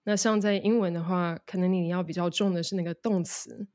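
A woman's voice: lowish voice, steady tone, brisk, a little mellow. Mandarin-speaking woman with slight English lilt. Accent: slight English-influenced Mandarin. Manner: mixes English words into Mandarin, demonstrates phrases. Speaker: English coach, guest. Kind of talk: explanatory interview talk.

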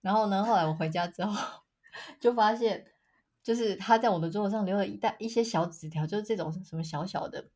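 Woman, casual chat, animated, mid pitch. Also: brisk. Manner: animated storyteller, acts out quotes with big pitch jumps. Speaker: podcast co-host.

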